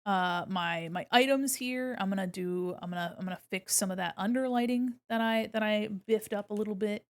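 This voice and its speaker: A woman hosting a casual art livestream, explaining as she works and speaking in a gentle, encouraging way. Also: mid-range voice, moderate pace. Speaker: art streamer and critique host. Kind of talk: casual livestream commentary while drawing, reading chat aloud.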